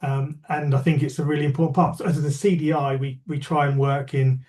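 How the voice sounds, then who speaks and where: A man with a dark, mellow voice gives polite closing thanks over a video call. He repeats words and fills pauses with uh and um. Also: on the high side, flat delivery. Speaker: chief executive. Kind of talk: closing remarks in a meeting.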